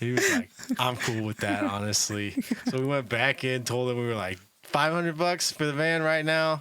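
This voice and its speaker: A man speaks at a moderate pace with lively intonation and a medium pitch, over noticeable background noise. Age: 30s. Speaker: comedian and podcast host. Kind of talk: casual chat.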